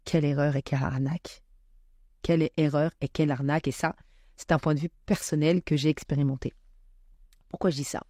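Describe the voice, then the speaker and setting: Woman guest on a podcast, warm voice, slow musing talk w/ lots of ums, dry sound. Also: sits low, steady tone, dry recording. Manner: thoughtful, many fillers, musing pauses. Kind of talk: reflective spiritual talk.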